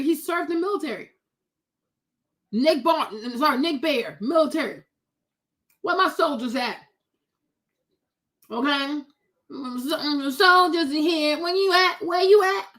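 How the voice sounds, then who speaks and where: A woman doing casual reaction commentary on a video, exclaiming loudly and laughing often. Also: high voice, expressive, moderate pace, pauses often.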